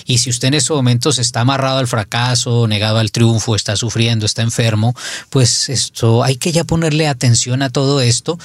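A middle-aged man, a spiritual advisor, talking casually on radio with halting restarts. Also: medium pitch, dry recording.

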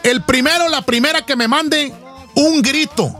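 A man hosting a radio show, energetic and joking with slang as he runs a call-in giveaway. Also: very high-pitched, a little slow. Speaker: radio host. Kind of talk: lively radio banter and giveaway. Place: radio studio. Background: music bed.

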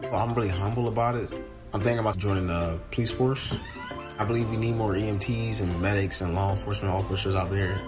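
Brief: young male store worker, low voice, sincere plain retelling, music under. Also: fairly even intonation, fast talker. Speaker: store worker telling of a rescue. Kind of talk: interview.

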